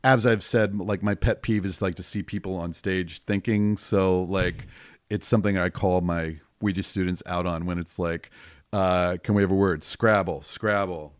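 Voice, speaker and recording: A middle-aged man with a deep voice, an improv performer and teacher talking casually in a podcast interview, often acting out bits of scenes. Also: clear, resonant tone, dry recording, clean studio sound. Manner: animated, acts out quick bits of scenes with laughs.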